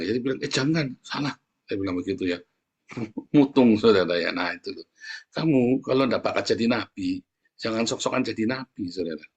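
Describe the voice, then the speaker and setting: A man from Indonesia with a Javanese Tegal accent, preaching a sermon in a chatty storytelling way. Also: breathy edge. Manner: animated storytelling, jumps up into high mimicking voices.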